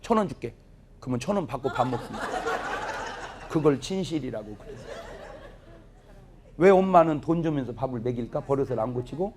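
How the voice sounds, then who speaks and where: A man's voice: mid-range voice, a little fast, long pauses. A middle-aged man, a pastor, preaching a revival sermon full of humorous family stories that he acts out in dialogue. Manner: lively storytelling, acting out family dialogue. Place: church revival meeting, audience laughing.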